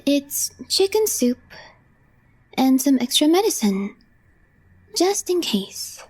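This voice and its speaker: A woman playing a calm, deadpan young female coworker with a crush in an ASMR roleplay, speaking softly and breathily in measured, short phrases. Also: sits high, exaggerated voice, poor audio. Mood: calm, matter-of-fact. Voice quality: soft, breathy, half-whispered. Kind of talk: intimate ASMR roleplay, scripted.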